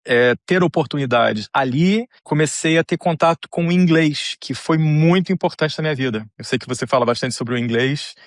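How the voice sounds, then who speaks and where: A man's voice: fairly high pitch, moderate pace, few pauses, dry recording. Middle-aged Brazilian man, dry close sound. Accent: Brazilian Portuguese. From Brazil, born in Paraná, grew up in Rio de Janeiro. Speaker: interview guest, technology manager. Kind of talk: conversational personal story.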